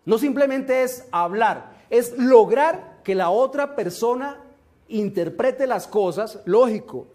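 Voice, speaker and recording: A man giving a motivational seminar talk, slow and emphatic, often asking rhetorical questions. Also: very high-pitched, lively intonation, a little mellow. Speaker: motivational speaker.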